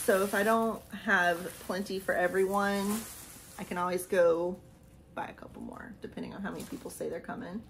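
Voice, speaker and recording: A woman in her thirties chatting casually in a haul vlog from a small room, rambling and laughing, a little hoarse from losing her voice. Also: fairly low pitch, big pitch swings, normal speed, fairly bright tone, slight background noise, poor audio. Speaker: vlogger showing a haul. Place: small decorated room indoors.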